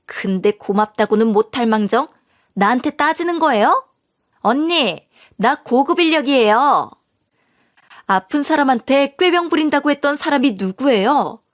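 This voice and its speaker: A woman's voice: high-pitched, expressive, normal speed, pitched above the performer's own voice. A woman doing a brash, entitled sister-in-law. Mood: defiant. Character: rude shameless young sister-in-law.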